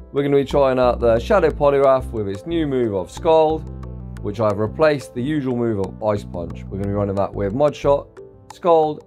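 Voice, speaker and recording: A tired man with a slightly croaky, mid-range voice walks through a game's battles in steady play-by-play. He explains each choice plainly as it happens. Soft music sits quietly beneath his voice. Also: mid-range voice. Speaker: YouTube creator. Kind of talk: gameplay commentary.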